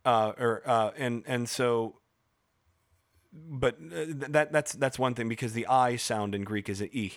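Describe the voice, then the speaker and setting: A man explaining ideas in a casual podcast discussion, professorial and halting, with frequent restarts and fillers. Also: medium pitch, dry recording, clean studio sound. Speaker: podcast co-host.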